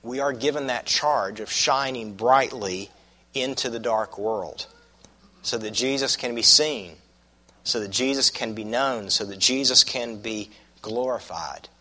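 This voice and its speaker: A man with a Southern US accent preaching an expository sermon as a pastor, croaky from a cold, in a folksy, deliberate manner that repeats phrases for emphasis. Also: medium pitch, pushed and bright. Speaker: pastor preaching to his congregation.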